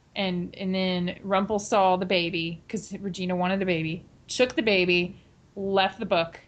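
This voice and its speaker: An unremarkable speaking voice from a woman of medium pitch at a fairly slow pace. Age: 30s. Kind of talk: casual chat.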